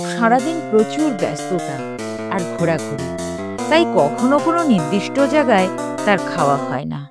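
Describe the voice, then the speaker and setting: A woman reads a scripted ghost story as a storyteller, in measured, dramatic phrases with pauses. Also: medium pitch. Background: background music.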